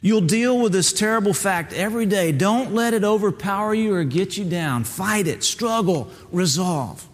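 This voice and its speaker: A stern old male turkey mentor lectures earnestly, laying down rules in a preachy tone, as a man reading aloud puts him on. The voice sits slightly high and echoes with a long reverb, as if in a hall. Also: animated, moderate pace, hardly any pauses. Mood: lecturing.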